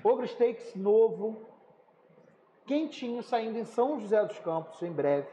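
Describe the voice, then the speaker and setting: A man's voice: high-pitched, big pitch swings, a little slow, dark tone. A man, a chef co-hosting a podcast, joking and hyping promos. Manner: jokey, hyped promos. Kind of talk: casual podcast chat. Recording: roomy, muffled room, faint noise.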